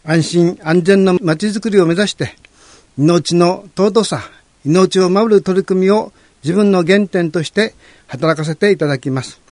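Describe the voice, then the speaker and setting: A man serving on a city council, giving a formal, polite prepared statement in a measured, earnest way. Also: sits high, a little mellow, dry recording.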